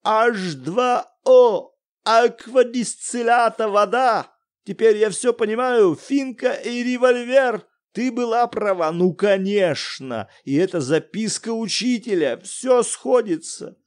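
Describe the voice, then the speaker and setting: A man reading an audiobook, voicing an excitable elderly academic who shouts in loud, theatrical bursts. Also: sits high, takes it slowly, voice pushed up. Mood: frantic. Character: excitable elderly male academic, pompous then frantic.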